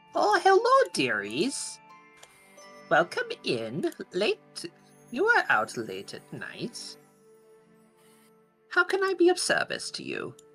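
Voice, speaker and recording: A man puts on a character voice at an extremely high pitch and a fairly slow pace. Faint music plays in the background. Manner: cheerful, welcoming.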